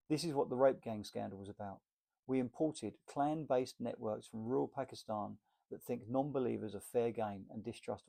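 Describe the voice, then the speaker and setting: A man's voice: mid-range voice, gravelly, warm tone. A man reading a political essay aloud in an emphatic, list-like delivery. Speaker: reader.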